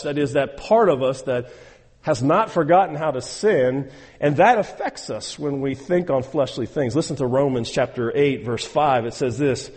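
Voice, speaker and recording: A man's voice: mid-range voice, darkish tone, in a large hall. A man preaching a sermon, emphatic and exhorting, repeating phrases and speaking straight to his listeners. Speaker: pastor.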